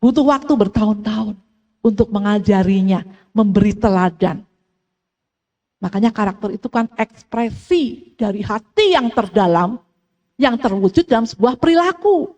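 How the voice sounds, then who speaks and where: A woman's voice: mid-range voice, normal speed, muffled recording. Middle-aged woman preaching in an echoey hall. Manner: animated storytelling, acts out family dialogue. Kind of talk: sermon. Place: church hall.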